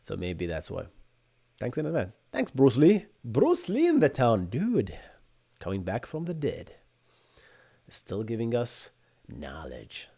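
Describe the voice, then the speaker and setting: A man in his thirties from Bahrain with an Arabic accent, hosting a live-streamed tech Q&A from a home room and explaining things in energetic bursts, often tagging on "right?". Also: medium pitch, slow pace, vocal fry, long pauses, breathy edge. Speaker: podcast host. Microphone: desk microphone in front.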